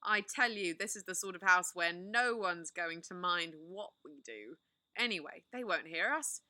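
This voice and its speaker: A woman's voice: lowish voice, expressive, measured pace, sharp tone, no echo, heavily acted. A woman doing an eager eldest boy. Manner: enthusiastic, confident.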